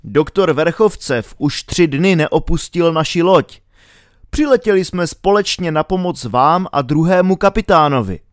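A steady, level-headed starship captain played by a man reading aloud speaks in an even, reassuring tone. His delivery rises and falls with lively intonation. The sound is close and dry. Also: a little high, dry recording, pitched above the performer's own voice, natural voice. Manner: calm and reassuring. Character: calm steady adult male spaceship captain.

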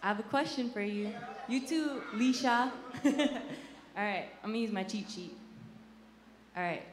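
A woman's voice: a little high, measured pace. A woman leading worship, calling out to the congregation playfully and laughing between lines. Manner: playful, laughing, calls out to the crowd. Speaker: worship leader. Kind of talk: hyping up a church crowd. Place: large church hall with stage. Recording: echoey hall with crowd noise. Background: congregation and band.

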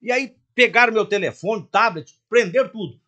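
With a high voice and normal speed, this older Mineiro-accented singer from Minas Gerais, Brazil, recounts a story on a podcast where he's a guest, animatedly voicing all of the dialogue on his own.

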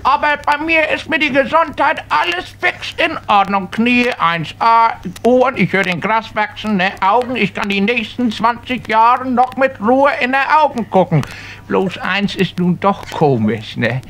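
A man voicing a very old man who proudly claims perfect health, in a shrill, strained voice. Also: expressive, measured pace, sharp tone, full character voice. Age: older. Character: shrill ancient man, ninety-six, cheerfully proud.

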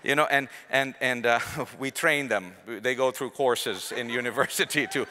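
A man in his thirties with a Finnish accent preaches to a congregation into a handheld mic. His voice is bright and forward, and he tells stories in an animated, chatty way. The long reverb of a large church hall rings behind him. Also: medium pitch, normal speed. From Finland. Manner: animated, conversational, gesturing, jokes with the congregation. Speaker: guest preacher. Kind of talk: sermon with storytelling. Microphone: handheld microphone.

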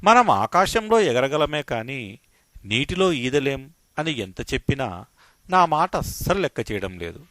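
A man's voice: medium pitch, very animated, a little slow, fairly bright tone, dry recording, voice pushed up. A man voicing a worried mother eagle fretting over her chick in a raised, pleading storyteller voice.

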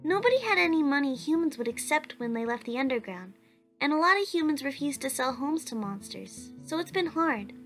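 Kind, determined cartoon child, adult actress: high-pitched, earnest, chatty, light music underneath. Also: female voice, lively intonation, a little fast, fairly bright tone. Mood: happy. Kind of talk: cartoon comic dub.

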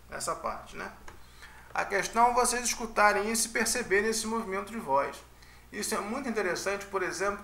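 Speaking in a high-pitched, gravelly voice with a sharp edge and plenty of reverb, a Brazilian Portuguese-accented man gives a relaxed music lecture. As a teacher, he chats along and keeps checking on his audience with "né?" and "tá?".

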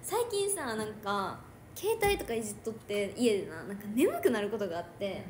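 A woman's voice: mid-range voice, lively intonation, a little fast, a little mellow. A woman with a Kansai accent chatting playfully and giggling on a casual livestream. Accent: Kansai Japanese. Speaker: idol livestream host. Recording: echoey room with faint noise.

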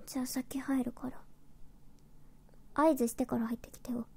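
A woman voicing a huffy tsundere girlfriend in a breathy whispered role-play, stammering flustered denials while secretly soft. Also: high-pitched, little pitch movement, normal speed, heavily acted. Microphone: close, dry binaural microphone.

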